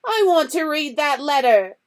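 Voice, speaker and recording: A woman's voice: extremely high pitch, expressive, a little slow, pushed and bright, pitched above the performer's own voice, heavily acted. A woman voicing a spoiled, demanding boy with a whiny tone.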